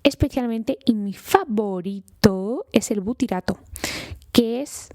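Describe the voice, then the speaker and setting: A woman's voice: mid-range voice, gravelly, darkish tone, no echo, studio quality. A woman with a Spain Spanish accent, a doctor hosting a health podcast, explaining things in an enthusiastic, chatty way and talking straight to her listeners. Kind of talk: informal educational podcast talk.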